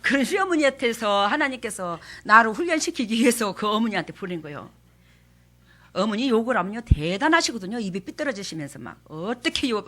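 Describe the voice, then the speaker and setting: A middle-aged woman preaches a sermon in a bright, ringing voice. She moves between storytelling and emphatic exhortation, throwing questions out to her listeners. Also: mid-range voice.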